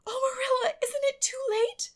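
Storybook orphan girl, high-pitched, dramatic, gushing, flowery, imaginative. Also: fairly even intonation, moderate pace. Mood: elated.

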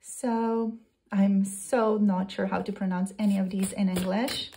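A woman's voice: medium pitch, level tone, measured pace, background noise. A young adult woman, a tarot reader who chats her way through a pick-a-card reading and thinks aloud as she searches for words. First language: Slovenian.

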